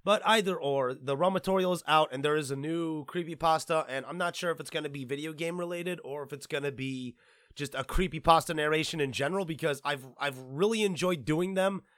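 A man hosting a podcast, talking in a casual, rambling and excitable way, tripping over his words and swearing now and then. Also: fairly high pitch, a little fast, no room sound, studio quality. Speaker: podcast host and producer.

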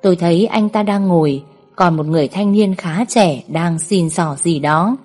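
Woman narrator, first-person story, steady even reading, lowish voice, soft background music. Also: moderate pace, breathy edge.

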